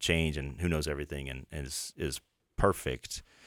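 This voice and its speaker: Vocal fry runs through this man's voice. The very clean recording has a silent background and a dry, close sound with no echo. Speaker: podcast host. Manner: thoughtful, conversational, uses fillers like "right" and "like".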